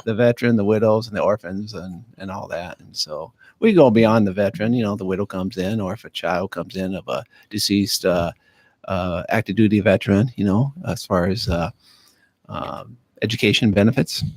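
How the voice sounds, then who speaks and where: A man with a fairly low voice speaks as a guest in a radio studio, searching for words with frequent "uh"s and restarts. The sound is dry and close on a studio microphone. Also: no echo. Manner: halting, many fillers and restarts. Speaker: county veterans affairs officer, studio guest. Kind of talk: casual radio interview.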